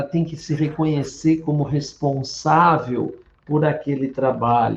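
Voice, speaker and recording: Over audible room echo, a man speaks very slowly in a monotone, flat delivery at fairly high pitch. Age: 60s. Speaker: spiritist study teacher. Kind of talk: lecture.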